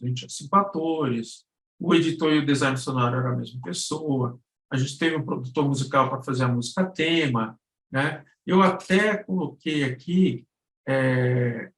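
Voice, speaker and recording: A man explaining things informally in a live lesson, often checking in with short tag questions. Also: medium pitch. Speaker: guest instructor. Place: indoor room on an online live stream. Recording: roomy, echoing live-stream audio.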